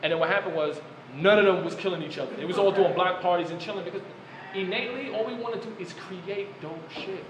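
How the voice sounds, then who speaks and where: A man's voice: high-pitched, fast talker. A man in a casual group debate, talking in a slangy, profane and opinionated way. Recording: echoey room, noisy background.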